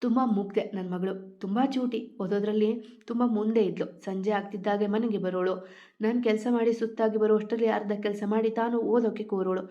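A woman voicing a weary older single mother who speaks in a soft, sorrowful way, in a dull lo-fi recording. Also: mid-range voice, steady tone, a little fast, natural voice.

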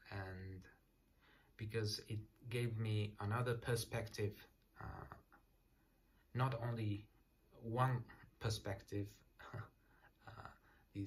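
A man in his thirties from Japan with a Japanese accent, speaking English softly and hesitantly at night in a small apartment room, searching for words with many fillers. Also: on the low side, slight background noise. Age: 30s. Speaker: English learner. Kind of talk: casual self-introduction to camera.

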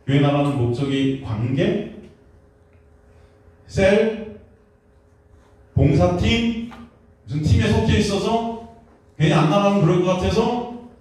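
A man in his thirties preaching a sermon as pastor, animated, dropping to a hush and then rising to shouted questions. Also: on the high side. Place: church hall in a basement. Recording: echoey hall, mic far off.

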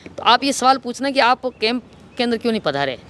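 A man with a Rajasthani accent and a high-pitched voice recounts an incident as an interviewee. He speaks into a reporter's handheld microphone outdoors, with faint street noise behind him. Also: big pitch swings, quick pace, sharp tone. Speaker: local political party worker, interviewee. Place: outdoors in an office compound.

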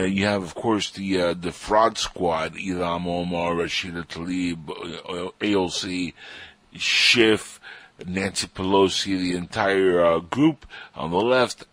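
Cuban-born guy hosting talk radio, real low voice, kinda husky, dry close mic. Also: fairly bright tone, no echo. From Cuba. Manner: emphatic, indignant. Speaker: host. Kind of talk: political talk radio chat.

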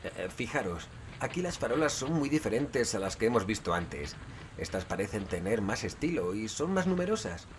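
An observant, practical investigator in a horror audio drama. His voice is fairly low and plain-spoken, slightly hesitant, over faint ambience. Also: big pitch swings, moderate pace, slight background noise. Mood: wary, curious. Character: down-to-earth, observant male investigator.

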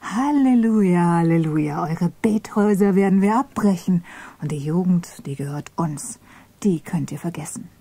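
A woman's voice: on the low side, normal speed, warm tone, slightly rough, no echo. A woman reading as a sneering, cynical man. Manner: sneering, mocking. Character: cynical mocking man, scornful and cruel.

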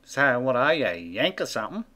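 A man's voice: mid-range voice, sing-song, fairly quick. A man playing a crude, brash Australian bogan bloke who swears bluntly, with an Australian accent. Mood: scornful. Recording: loud background noise.

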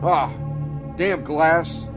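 A man's voice: a little high, extremely slow, over music. A man voicing a whiny young man with a nasal voice who is obsessed with a phone game, in a read-aloud horror story. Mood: irritated.

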